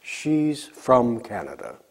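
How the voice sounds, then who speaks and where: A man leads a recorded English lesson, drilling short example sentences at a slow, deliberate pace. His pitch moves a lot as he models the phrases for learners to repeat. His voice is mellow and a little husky. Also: very animated. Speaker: English teacher.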